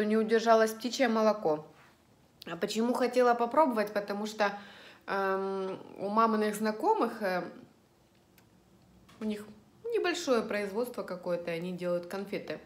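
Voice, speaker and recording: A woman's voice: fairly high pitch, a bit bright. A middle-aged woman vlogger chatting casually and ramblingly to her viewers about everyday things while eating at home. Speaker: lifestyle vlogger. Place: indoors at home in an echoey room. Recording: roomy, echoing indoor sound.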